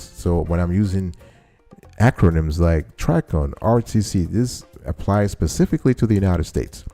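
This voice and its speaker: A man with a low, dark-toned voice hosts an informal explainer. He teaches step by step and repeats key phrases for his listeners.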